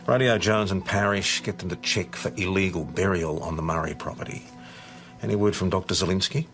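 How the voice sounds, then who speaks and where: A stern, low-voiced station boss. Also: male voice, a little fast, fairly bright tone. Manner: authoritative, curt.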